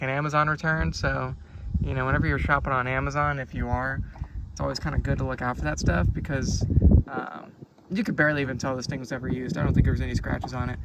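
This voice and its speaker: A man's voice: a little high, heavy background noise. A man giving a casual, unscripted product review outdoors, rambling along in a laid-back, hesitant way. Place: outdoors on a boat on a lake.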